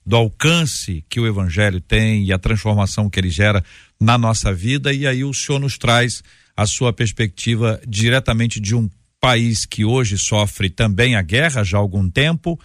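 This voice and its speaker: Deep-voiced Brazilian male talk show host. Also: moderate pace, a bit bright, no echo, studio quality. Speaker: radio debate host. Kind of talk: moderating a live religious talk programme.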